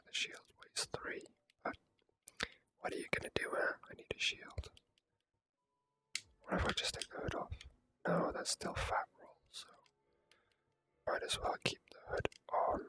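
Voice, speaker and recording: A man whispering ASMR commentary as he plays a game, in a hesitant, self-deprecating way. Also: bright, forceful tone. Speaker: ASMR gamer.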